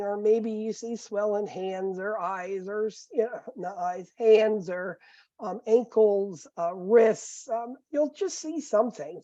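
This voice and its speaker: Squeaky-voiced woman giving a lecture. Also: mellow, no room sound. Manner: conversational, with many fillers and asides. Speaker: nursing professor. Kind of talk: recorded lecture. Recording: dull, muffled lecture recording.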